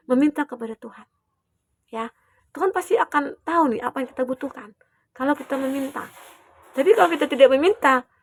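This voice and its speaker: A young woman giving a gentle, reassuring collective tarot reading, with frequent fillers and tag questions. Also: high voice, no echo, studio quality. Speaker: tarot reader.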